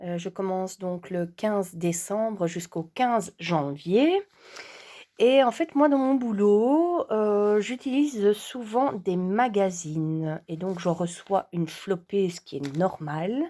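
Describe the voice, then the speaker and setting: A woman's voice: mid-range voice, slow, warm tone. A woman from Belgium, chatting casually to camera as a vlogger, hesitant and full of fillers, sometimes dropping to a whisper. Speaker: vlogger and sophrology coach.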